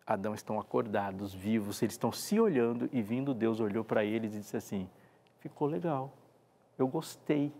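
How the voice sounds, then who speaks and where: A man's voice: fairly low pitch, fast talker, hardly any pauses, darkish tone. A man from Brazil, a pastor and TV presenter, talking on a devotional talk show and acting out quoted dialogue expressively.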